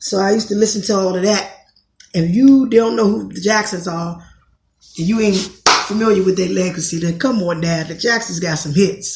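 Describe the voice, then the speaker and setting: Delivered in an animated tone with an American accent, the speech keeps a moderate pace and ordinary pitch variation. Room echo is audible. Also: woman, medium pitch for a woman. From Washington DC. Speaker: YouTuber and social media commentator. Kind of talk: casual monologue vlog.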